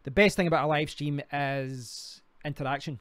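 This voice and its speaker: A man's voice: a little high, steady tone, normal speed, a bit bright, dry recording. A Scottish man hosting a casual live stream, rambling and talking to himself while clicking through sites. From Scotland. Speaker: crypto livestream host.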